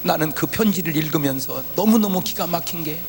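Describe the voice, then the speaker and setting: A man pastor preaching a revival sermon, swinging from soft talk to shouting and acting out quoted prayers. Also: on the high side, a little fast, slight background noise. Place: large church hall with congregation. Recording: church hall reverb, faint ambience.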